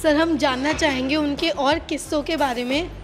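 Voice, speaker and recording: A bubbly young woman interviewing guests on a food show, with a high, light voice. She is eager and quick to affirm what her guests say, and faint music plays behind her. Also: fairly even intonation. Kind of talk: on-camera interview.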